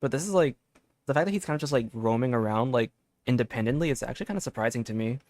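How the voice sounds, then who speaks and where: A man's voice: mid-range voice, animated, rapid-fire, a little mellow, dry recording. A man streaming a game, giving casual, playful live commentary into a close microphone. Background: game music.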